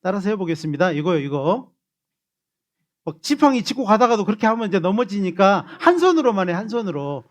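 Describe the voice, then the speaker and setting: A man's voice: high voice, fairly quick. A man preaching as pastor, coaxing his congregation into greetings before closing in prayer. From Korea. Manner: animated, coaxing the congregation to repeat gestures.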